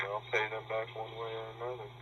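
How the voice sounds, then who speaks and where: Man, deep voice, flat monotone, blunt and defensive, muffled hissy phone recording. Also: quick pace. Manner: defensive, blunt, swears casually. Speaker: tenant on a phone call. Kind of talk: tense phone conversation. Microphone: telephone.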